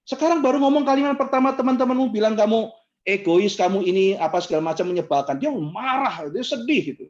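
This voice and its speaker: A man's voice: sits high, lively intonation, fast, highs cut off. A man giving a sermon as a pastor, speaking in a casual, conversational way with frequent tag questions.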